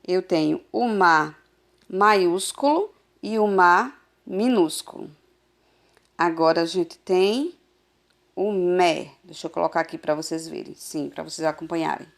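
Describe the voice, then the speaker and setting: A woman teacher giving a recorded adult literacy lesson over a phone, sounding out syllables slowly and patiently. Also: on the low side, gravelly. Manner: slow, patient, drawn-out syllables.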